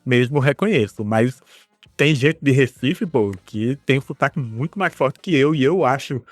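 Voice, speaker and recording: A man's voice: medium pitch, moderate pace, dry recording. Dry, close Northeastern Brazilian man. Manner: relaxed, chatty, swears casually. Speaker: podcast co-host. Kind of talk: casual podcast chat.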